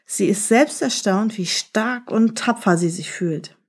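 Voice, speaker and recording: A woman's voice: medium pitch, unhurried, slightly rough. Brief: woman storyteller for kids, reads the tale, then explains it simply and directly. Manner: warm-hearted, plainly explaining to children, with fillers. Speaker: children's podcast host and storyteller.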